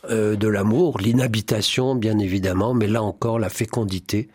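A man's voice: lowish voice, steady tone, moderate pace, a little mellow, husky, no room sound, clean studio sound. A man guest in a spiritual radio interview, speaking in a fervent, preacherly way and often quoting scripture. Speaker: priest and songwriter, interview guest.

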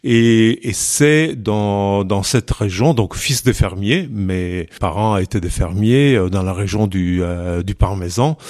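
A man's voice: fairly low pitch, slow, hardly any pauses, a little mellow. An older man from Italy, a native Italian speaker, talking about his life as an interview guest, with many fillers and restarts. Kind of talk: conversational radio interview. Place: large meeting hall of an office building.

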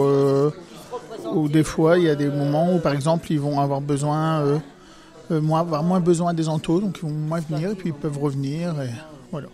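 A man answering interview questions in a hesitant way. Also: a little high.

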